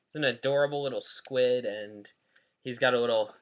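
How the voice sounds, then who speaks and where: A man's voice: medium pitch, moderate pace. A man chatting casually in a rambling, self-deprecating way while reviewing a toy on his webcam at home. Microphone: webcam mic.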